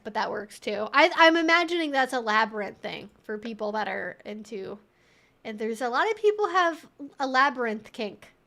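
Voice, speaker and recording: A woman's voice: on the high side, a bit bright. A woman hosting a casual live Q&A, thinking aloud in a rambling, amused way as she reads things out and reacts. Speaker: livestream host and kink educator.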